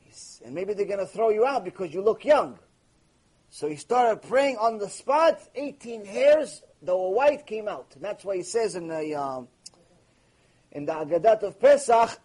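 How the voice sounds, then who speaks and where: A man's rather high, husky voice teaches a Torah class. He keeps putting questions to the room and answering them himself, with Hebrew terms mixed into his English. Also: darkish tone. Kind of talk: lively recorded Torah lecture.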